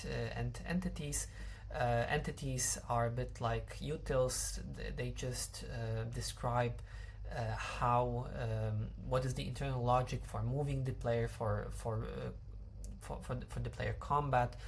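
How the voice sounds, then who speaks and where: A man's voice: mid-range voice, slight background noise. A young man, a game developer explaining his code, hesitant with many fillers and restarts. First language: Polish.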